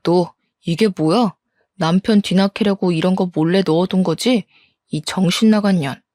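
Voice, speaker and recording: A woman's voice: lowish voice, moderate pace, dark tone, no room sound, studio quality, lightly acted. A woman voicing a defensive, scornful cheating husband in a story reading. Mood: angry. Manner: defensive, scornful, blame-shifting. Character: angry cheating husband, middle-aged man. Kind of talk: storybook role-play.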